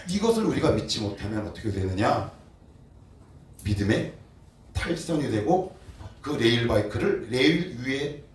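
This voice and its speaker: A man preaching a sermon as pastor, acting out prayers and questions in a raised voice. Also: medium pitch. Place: church sanctuary. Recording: roomy church sound from a distant mic.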